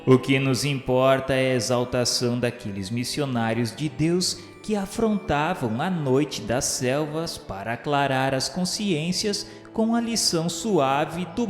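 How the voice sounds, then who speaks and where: A Brazilian man narrates in a solemn, reverent, formal style, like a religious radio novela. His delivery is slow and measured at a middle pitch. The voice rings in a long, roomy reverb with music underneath.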